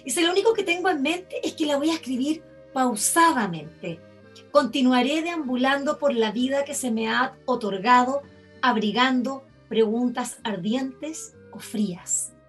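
A woman's voice: high-pitched, expressive, a little slow, faint music behind. A woman interviewing an author's translator, asking long questions with many fillers. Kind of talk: moderated literary interview.

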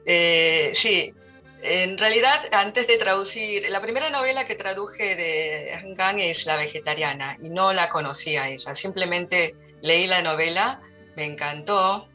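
A woman's voice: fairly low pitch, a little slow, bright, forceful tone, faint music behind. A middle-aged woman with an Argentine Spanish accent, answering interview questions as a literary translator, hesitant with many fillers and restarts. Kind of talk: interview answers at a public talk.

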